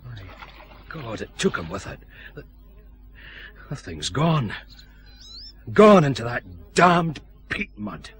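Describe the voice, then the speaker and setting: A man's voice: mid-range voice, very animated, slow pace, long pauses, fairly bright tone, a little hiss or hum. An actor playing a weary male Glasgow detective inspector in a radio drama, making dry, grumbling remarks in a Scottish accent. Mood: shocked.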